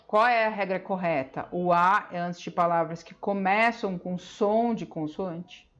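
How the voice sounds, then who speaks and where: A woman's voice: mid-range voice, lo-fi sound. A woman with a Brazilian Portuguese accent giving a patient private English lesson, checking in often with "ok?". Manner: patient, explains slowly with lots of "ok?" checks. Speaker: English teacher.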